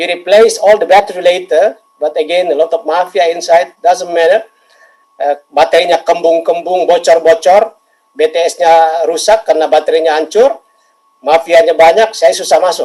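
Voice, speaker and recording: Speaking at a fairly quick pace, a man with an Indonesian accent has a high pitch. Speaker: webinar speaker, energy entrepreneur. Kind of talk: webinar Q&A answer. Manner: animated.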